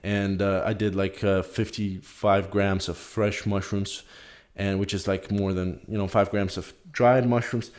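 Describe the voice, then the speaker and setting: Young man telling an animated story at a podcast mic. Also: on the low side, a little slow. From Bulgaria. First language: Polish. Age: young adult. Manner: animated storyteller, gesturing, frequent restarts and swearing. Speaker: podcast co-host. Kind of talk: casual podcast chat. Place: small room at home, indoors. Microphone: studio mic on a boom, headphones.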